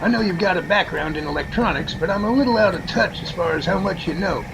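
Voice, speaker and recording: A man's voice: high voice, quick pace, creaky, background noise. A man playing a friendly but skeptical, mildly condescending organizer in an amateur audio drama. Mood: doubtful.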